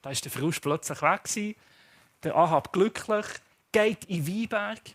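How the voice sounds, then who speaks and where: A male pastor with a Swiss accent preaches a sermon. He tells the story in an animated way, acting out its characters in a high voice. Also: moderate pace.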